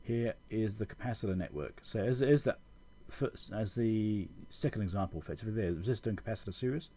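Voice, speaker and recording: A man's voice: on the low side, fairly quick, mellow. A man giving an informal technical tutorial, explaining things as he thinks aloud. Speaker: electronics repair video host. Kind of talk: casual technical tutorial over schematics.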